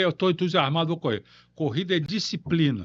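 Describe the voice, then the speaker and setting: Fairly quick pace with ordinary pitch variation. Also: man. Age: 60s. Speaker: neurosurgeon. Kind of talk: casual interview.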